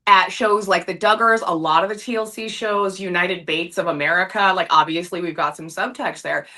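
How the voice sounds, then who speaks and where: A woman's voice: fairly low pitch, steady tone, normal speed, bright, forceful tone. A woman in her thirties co-hosting a casual talk show, opinionated and ranting, laughing easily. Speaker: podcast co-host. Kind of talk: casual chat.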